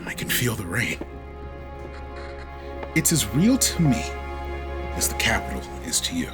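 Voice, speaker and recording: A sci-fi audio drama spaceship captain, homesick and fiery. His delivery is measured and slow, with big melodic swings from hushed longing to outburst. Music plays clearly behind him. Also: fairly low pitch, sing-song. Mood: earnest, wistful.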